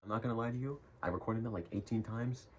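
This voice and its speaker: A man's voice: medium pitch, quick pace, background noise. A young man telling a rambling school story in a casual vlog, full of jokey, self-mocking asides. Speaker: YouTuber. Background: music.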